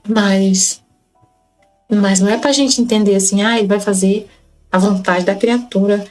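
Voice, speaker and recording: A woman's voice: mid-range voice, a little mellow, poor audio. A woman with a Brazilian Portuguese accent, reading devotional writings aloud and explaining them earnestly, repeating phrases for emphasis. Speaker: Catholic study group leader.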